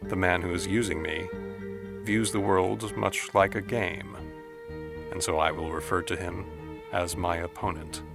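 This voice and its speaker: A man acting a solemn, reflective letter writer in a deliberate, formal audio drama monologue, with music behind him. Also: sits low, steady tone, gravelly.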